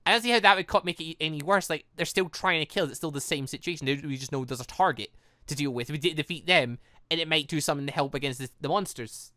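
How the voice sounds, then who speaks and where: An excitable, rambling gaming host commentating on a visual novel while reading it aloud. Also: medium pitch, fast talker, no echo, clean studio sound.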